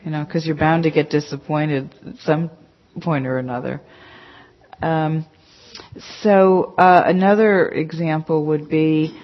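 A woman's voice: low voice, fairly even intonation, measured pace. A woman teacher giving a conversational dharma talk to a class, emphatic and chatty with many "you know" asides. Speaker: meditation teacher. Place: meditation center hall. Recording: dull lo-fi talk recording.

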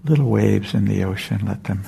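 A man with a low, gravelly voice guides a meditation, his words unhurried and spaced out with long silences. His tone is dark and soft. Faint noise sits behind him in the hall. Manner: slow, soft, with long pauses. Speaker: meditation teacher.

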